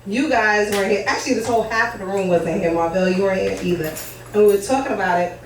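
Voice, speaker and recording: A loud, laughing woman with a New York accent banters as co-host of a live talk show. She sits back from the microphone in a very echoey studio, with a faint hum of ambience behind her. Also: mid-range voice, quick pace, far from the mic. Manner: loud, laughing, talks over others.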